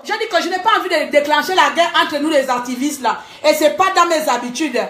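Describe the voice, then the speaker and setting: A woman's voice: very high voice, a bit bright. A woman vlogger angrily ranting to the camera at home, scolding her critics and laughing between jabs. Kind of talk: angry rant to camera. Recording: echoey room.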